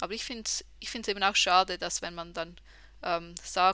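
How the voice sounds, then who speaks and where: A woman's bright, sharp, medium-pitched voice with vocal fry and monotone, flat intonation, at a fairly quick pace. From Switzerland. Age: 30s. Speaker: podcast host. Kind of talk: casual chat.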